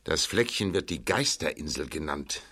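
Deep, commanding formal gentleman. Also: animated, breathy edge, full character voice. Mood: measured, assured. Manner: formal, measured. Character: commanding gentleman film director briefing young boys. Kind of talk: German radio play acting.

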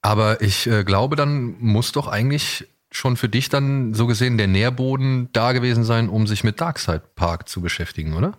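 A man's voice: mid-range voice, normal speed, few pauses. A man hosting a casual podcast interview, easing into long, winding questions. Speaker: podcast host.

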